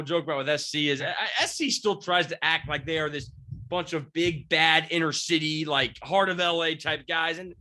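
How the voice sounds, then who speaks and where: A man's voice: sits high, bright, forceful tone. A man in his twenties, congested from a cold, hosting a casual sports podcast and rambling with lots of fillers and restarts. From Washington State, near Seattle. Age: 20s. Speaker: podcast host, sports beat writer.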